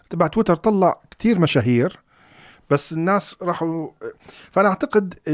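In a dry, close recording with no echo and a silent background, a man speaks at a fairly slow pace. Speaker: social media expert and author. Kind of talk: casual interview chat.

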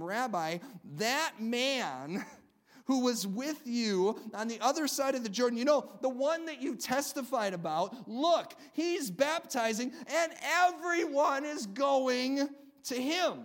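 Using a whiny, put-on character voice with a whiny tone, a woman speaks at a high pitch and a fairly slow pace. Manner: envious, whiny, complaining.

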